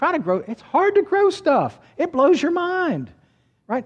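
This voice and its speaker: He speaks in an American accent. The voice is a man's. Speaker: Sunday school teacher. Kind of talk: lecture. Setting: church. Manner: fast; halting.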